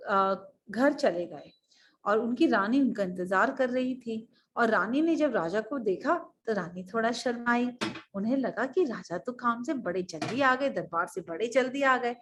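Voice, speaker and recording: Woman telling kids a story on a video call, high lively voice. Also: a little hiss or hum. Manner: animated, mixing Hindi and English. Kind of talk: storytelling for children.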